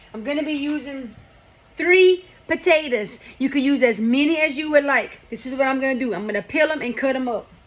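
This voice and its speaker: At a fairly quick clip, a woman with a high voice and ordinary pitch variation talks over noticeable background noise. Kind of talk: casual cooking talk to camera. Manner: folksy, chatty.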